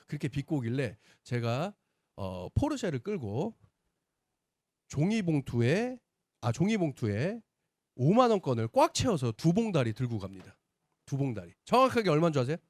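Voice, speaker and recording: A man giving a sales seminar talk, telling his family story in an animated way and acting out the voices of the people in it. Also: mid-range voice, dry recording, clean studio sound. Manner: animated storyteller, acts out quoted dialogue. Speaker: business presenter.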